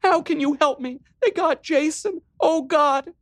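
A woman's voice: high voice, measured pace, no echo, voice pushed up. A man voicing a terrified young woman who whimpers and sobs hysterically.

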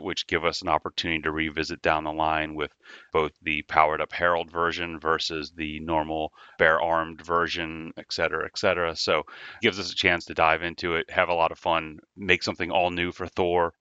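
Deep-voiced man, muffled remote line. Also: smooth, no room sound. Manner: relaxed, explanatory, many fillers. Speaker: toy designer guest. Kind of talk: casual podcast interview.

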